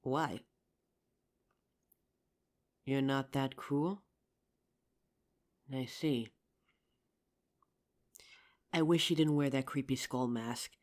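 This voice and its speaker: A woman plays an injured young survivor scavenging through a zombie apocalypse. Her voice sits low for a woman, and she speaks haltingly, as in an intimate roleplay audio drama. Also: darkish tone, full character voice. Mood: weary, wary.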